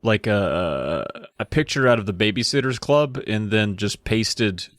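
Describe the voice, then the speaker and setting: A man's voice: fairly low pitch, animated, unhurried, fairly bright tone, no echo. A man co-hosting a podcast, chatting casually in a musing, hesitant way with dry humor. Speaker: podcast co-host. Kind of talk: casual chat, critiquing book covers.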